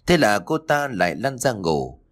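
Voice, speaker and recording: A man narrating a family story in a steady storytelling manner. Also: fairly low pitch, unhurried.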